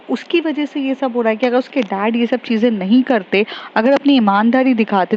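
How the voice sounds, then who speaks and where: A woman casually retelling a love story, chatty, with many fillers and English mixed into her Hindi. The recording is slightly dull, with faint noise behind. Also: on the high side.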